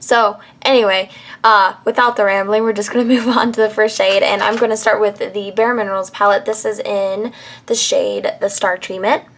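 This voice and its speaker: Monotone, flat intonation at a moderate pace. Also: woman, fairly high pitch for a woman. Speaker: beauty vlogger. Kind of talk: tutorial.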